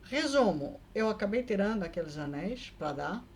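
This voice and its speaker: A woman vlogger telling a personal story in a casual, lively way, often adding quick tag questions. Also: medium pitch, slight background noise. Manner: lively, acts out the people in her story.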